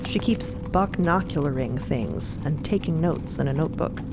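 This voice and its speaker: Expressive female narrator with animated pitch. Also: normal speed, heavy background noise. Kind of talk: scripted storytelling narration. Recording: loud music bed under voice.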